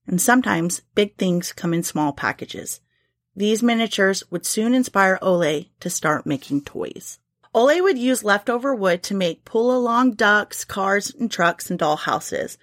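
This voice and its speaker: A woman's voice: medium pitch, no echo. A woman narrates a true story for a podcast in a loose, conversational way. Her voice sits in the middle of the range and is recorded dry and close, with no room around it. She swears casually and giggles at the odd details. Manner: chatty, swears, laughs at her own story. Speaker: podcast host.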